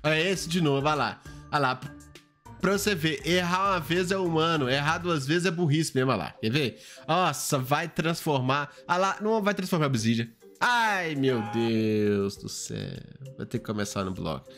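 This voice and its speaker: A man reacts to game clips in a slightly high voice. He is excitable and exclamatory, jumping from high shouts to low mutters. Soft music plays faintly underneath. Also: moderate pace. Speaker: gaming YouTuber.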